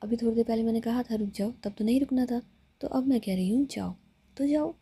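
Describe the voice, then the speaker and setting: A woman voicing a playful young woman who teases her lover, speaking softly. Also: on the high side, fast, slightly rough. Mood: teasing.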